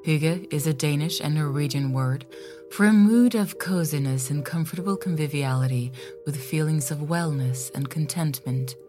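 Very low-voiced woman narrating over music. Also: normal speed. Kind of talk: scripted encyclopedic narration.

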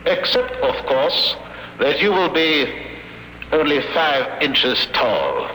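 An actor playing a pompous, megalomaniac European scientist who gloats formally and menacingly in an old radio drama. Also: male voice, a little high, sing-song, slow, bright, forceful tone, heavily acted. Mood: smug gloating. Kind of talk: 1950s radio drama acting. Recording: echoey, noisy vintage 1950 radio broadcast.

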